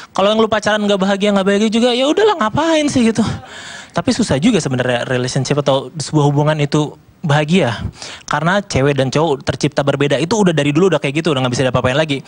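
A young man performing a stand-up comedy set on a TV studio stage, speaking into a handheld mic and jumping into animated voices for the dialogue he acts out. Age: young adult. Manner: animated, jumps into high-pitched voices for acted-out dialogue. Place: TV studio stage with live audience.

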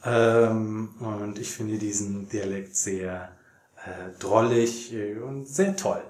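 A young man teaching German to learners, speaking slowly and deliberately with many fillers, recorded in a small plain room. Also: on the low side. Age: young adult. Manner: very slow and deliberate, many fillers, animated reading. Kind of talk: slow, clear teaching for learners. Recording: roomy echoey room.

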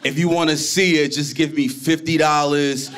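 A man voicing a streetwise male kangaroo making a ransom demand in a slow, laid-back drawl. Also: a little high, fairly even intonation, lightly acted. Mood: menacing. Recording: live room with audible background noise.

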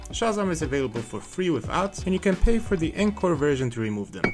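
A young man narrating a scripted, upbeat walkthrough of phone apps as the channel's reviewer. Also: fairly high pitch. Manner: upbeat, clear product walkthrough. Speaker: app reviewer.

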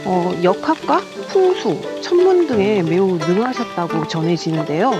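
A woman's voice: on the low side, lively intonation, unhurried, muffled recording. A woman vlogger casually explaining a historic site on a cycling trip, chatty, with frequent laughs and fillers. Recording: loud background music.

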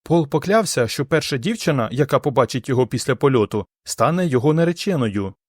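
A man voicing a gentle, thoughtful young woman with a soft, slightly sad manner in an audiobook. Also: mid-range voice, animated, quick pace, no echo, clean studio sound, close to an everyday voice. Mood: wistful. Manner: soft, wistful.

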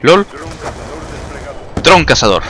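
A man's voice: a little high, sing-song, slow, fairly bright tone, faint music behind. A young man with a Spanish accent from Spain gives chatty, joking commentary while playing a game, mocking his own skills. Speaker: gaming commentator. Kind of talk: casual gameplay commentary.

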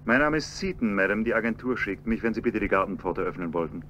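An actor playing a smooth, insinuating man posing as a hired servant in a radio crime play. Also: on the low side, quick pace, bright, forceful tone. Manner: suave, insinuating, mock-polite. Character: smooth menacing servant blackmailer. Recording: dull lo-fi radio recording with faint hum.

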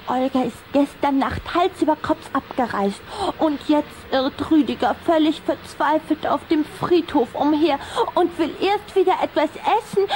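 A woman playing a brisk, caring little vampire girl in a children's radio play, speaking in a lively, urging way. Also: high voice, slight background noise, poor audio.

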